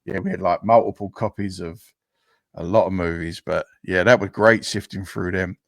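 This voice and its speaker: British man, low voice, dry close sound, casual podcast chat, rambling, many restarts. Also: steady tone, normal speed, vocal fry, no echo. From United Kingdom. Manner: rambling, full of likes and restarts. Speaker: podcast host. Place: home setup on a livestream.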